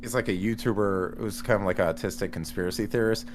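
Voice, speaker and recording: A man in casual podcast chat, talking in an animated, rambling way with many restarts. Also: fairly low pitch, fast, a little hiss or hum. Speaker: podcast guest.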